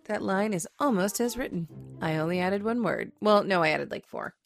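A woman's voice: mid-range voice, lively intonation, normal speed, vocal fry, faint music behind. A woman voice actress recording lines into a studio microphone, playful and self-mocking as she chats between takes. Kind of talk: voice recording session outtakes.

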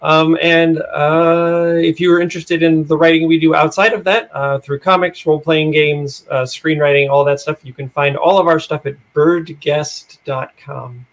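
A man's voice: on the high side, steady tone, normal speed, few pauses. A man chatting casually as a guest on a podcast. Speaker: podcast guest, audio drama maker.

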